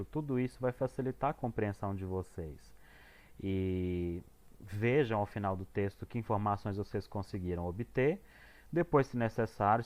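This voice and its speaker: A man's voice: on the low side, darkish tone. A male English teacher with a Brazilian Portuguese accent, explaining homework to students in a casual, hesitant way with many fillers and restarts.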